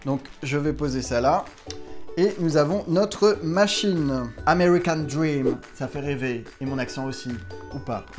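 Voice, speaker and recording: A man's voice: a little high, lively intonation, measured pace, faint music behind. Playful, self-mocking man hosting a vlog. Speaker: YouTube host testing gadgets. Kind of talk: casual unboxing vlog.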